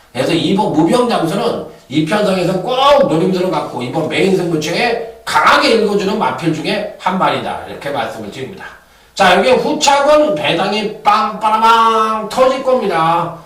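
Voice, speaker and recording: A man's voice: high voice, big pitch swings, moderate pace, a bit bright. Rowdy man giving racing tips, echoey room. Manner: rowdy, profane, acts out voices and chants. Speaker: horse racing tipster. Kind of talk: casual betting tip broadcast. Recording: echoey, from far off the mic.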